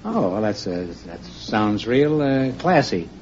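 A man hosting a quiz show, teasing the contestants with wry, deadpan quips, heard on a dull old broadcast recording. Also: on the low side, slow, a little hiss or hum. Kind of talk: wisecracking quiz host banter.

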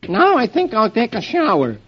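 A man's voice: very high-pitched, wildly swooping pitch, normal speed, husky, pitched above the performer's own voice, exaggerated voice. A man voicing a lazy, wisecracking young male army private on an old lo-fi radio broadcast. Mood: breezy.

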